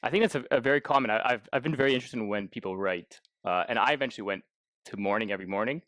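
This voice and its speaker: A quick-talking male podcast co-host with a mid-range voice, chatting casually. He restarts phrases eagerly as he asks and comments, and the recording is dry with very little room sound. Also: medium pitch, a bit bright, no echo. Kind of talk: casual interview chat. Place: indoors in a house.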